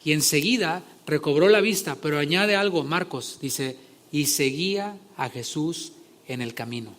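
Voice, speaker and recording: Man preaching a sermon, fairly high voice. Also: moderate pace. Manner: conversational, rising loud when retelling scripture scenes. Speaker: pastor.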